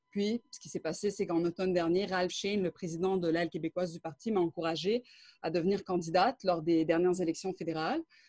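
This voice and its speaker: A woman with a fairly low pitch and a dark, mellow tone, fairly even intonation and a fairly quick pace, in a dry, close recording with no echo. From Quebec, Montreal. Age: 30s. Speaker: politician. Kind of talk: political debate speech.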